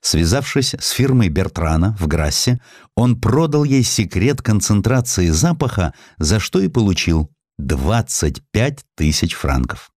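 Male audiobook narrator, deep and lively, voices the dialogue, studio-dry. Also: a little slow, no echo. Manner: expressive reading, voices characters in quoted lines. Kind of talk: audiobook narration of a historical essay with acted dialogue.

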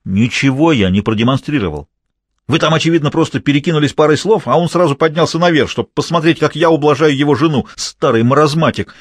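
A man voicing a jealous, hot-tempered man yelling crude insults at his girlfriend. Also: fairly high pitch, quick pace, no echo, studio quality, pitched above the performer's own voice, lightly acted. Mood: yelling, contemptuous. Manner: yelling, contemptuous.

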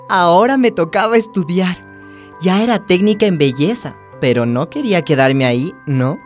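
A woman's voice: on the low side, a little mellow, natural voice. An actress playing a hopeful young trans woman from a small town, narrating her story earnestly in a radio drama. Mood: reflective, hopeful. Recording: music bed behind the voice.

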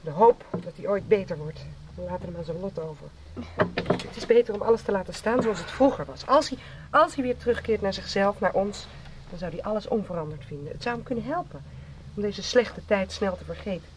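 Actrice als bezorgde moeder, wat veraf. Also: female voice, mid-range voice, animated, a little fast, close to an everyday voice. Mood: pleading, sorrowful. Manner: worried, pleading doubt. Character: anxious, hesitant, grieving mother. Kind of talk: radio play dialogue. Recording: distant from mic, clear background noise.

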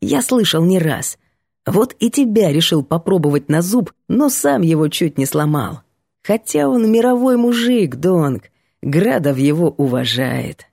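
A woman voicing an easygoing young man who soothes and teases his friend, in a lowered, husky voice. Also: big pitch swings, a little slow, darkish tone, no echo, clean studio sound, exaggerated voice. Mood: teasing. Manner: soothing, playful.

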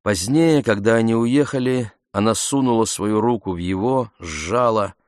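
A man narrating an audiobook in a measured, even storytelling manner into a close studio mic. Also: on the low side, no echo.

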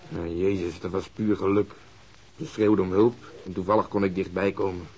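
An actor playing a blunt, hot-tempered police inspector in a Dutch radio drama. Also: male voice, low voice, level tone, moderate pace, a little mellow, highs cut off. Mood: grim, recounting. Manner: blunt, irritable, swearing. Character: gruff, hot-tempered police inspector who rescued fire victims.

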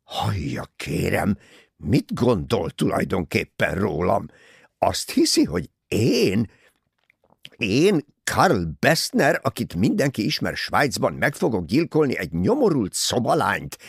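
A man's voice: lowish voice, sing-song, gravelly, breathy edge, dry recording, studio quality, pitched above the performer's own voice, heavily acted. A man voicing a proud, indignant older doctor from Switzerland in an audiobook, blustering and emphatic. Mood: outraged, blustering.

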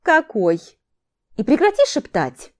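A woman voicing an excitable male vampire teacher who protests loudly and indignantly. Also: medium pitch, unhurried, lightly acted. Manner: loud, indignant exclamations.

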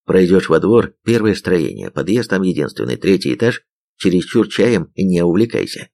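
A man voicing a curt, gruff middle-aged army major in an audiobook. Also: deep voice, sing-song, moderate pace, darkish tone, heavily acted.

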